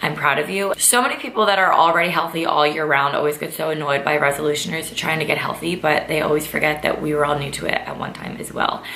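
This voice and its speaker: Over noticeable background noise and audible room echo, a woman with a very deep, low pitch talks in an animated tone at a very fast pace with hardly any pauses. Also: ordinary pitch variation. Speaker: lifestyle and fitness vlogger. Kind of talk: casual vlog talk to camera.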